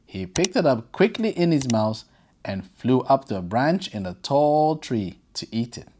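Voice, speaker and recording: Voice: medium pitch, sing-song, measured pace, a little mellow, a little hiss or hum. Children's read-aloud presenter, very varied intonation, informal and encouraging delivery. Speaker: storyteller and presenter. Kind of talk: children's read-aloud storytelling with casual chat to viewers.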